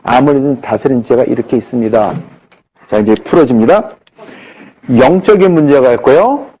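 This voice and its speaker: A man's voice: mid-range voice, normal speed, husky. A middle-aged man giving a health lecture, telling stories and acting out the dialogue in them. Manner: animated, acts out dialogue in his anecdotes.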